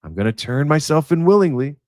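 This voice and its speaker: An anxious young man confessing, read out by a man in a halting, mock-dramatic way. The pitch is fairly high and moves around a lot, in a dry, close recording. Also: very animated, a little mellow, no room sound. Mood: worried, resigned. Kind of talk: mock-dramatic script reading.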